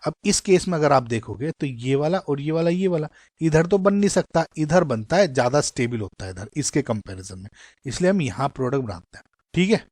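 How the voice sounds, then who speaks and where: A man's voice: a little high, expressive, a little mellow, no room sound, studio quality. A man teaching an exam-prep chemistry lesson, explaining step by step and often checking understanding with "okay" and "correct". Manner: reads question text slowly in English. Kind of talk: exam-prep lecture in Hindi-English mix.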